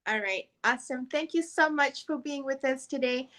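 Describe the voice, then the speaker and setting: Californian female co-host, high bright voice, enthusiastic live-stream energy. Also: normal speed. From San Francisco, California. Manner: upbeat, enthusiastic. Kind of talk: live online show.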